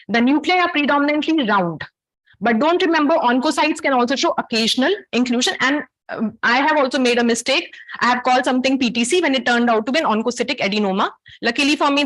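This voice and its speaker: A woman with a South Asian accent speaks in a high voice as she teaches. She lectures through cases in a didactic, academic way and turns to her listeners with questions. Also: fairly bright tone, low-quality recording. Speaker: medical lecturer. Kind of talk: interactive academic case-based lecture.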